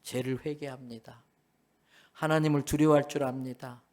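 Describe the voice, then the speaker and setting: A man's voice: medium pitch, steady tone, normal speed, darkish tone. A middle-aged male pastor preaching a sermon with emphasis, now and then acting out the voices of people in his stories.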